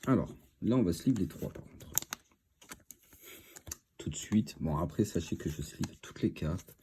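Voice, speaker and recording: Stuffy from a cold, a man opens trading card packs on video and keeps up loose commentary, full of fillers as he thinks aloud. He speaks low and expressively, a little slowly, over a noisy background.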